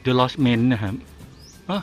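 A man's voice: medium pitch, animated, takes it slowly, faint music behind. A man vlogging casually while walking outdoors, chatty and exclaiming as he talks to his viewers. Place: outdoors on a street and in a garden cafe.

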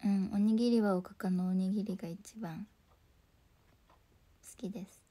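A young woman hosting a casual morning livestream, talking softly and sleepily and often dropping into whispers. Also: medium pitch, fairly even intonation, fairly quick. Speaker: idol livestream host.

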